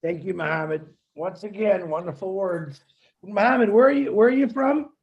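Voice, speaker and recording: A man's voice: high-pitched, moderate pace, dull audio. A man hosting an online video call, calling on speakers and encouraging them. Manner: warm, encouraging, calls on speakers. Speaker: host. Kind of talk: moderating an online panel.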